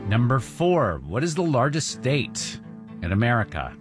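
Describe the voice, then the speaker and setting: A man's voice: mid-range voice, very animated, unhurried, music in the background. A man hosting a morning radio show, reading quiz questions and joking with his co-hosts. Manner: joking, playful.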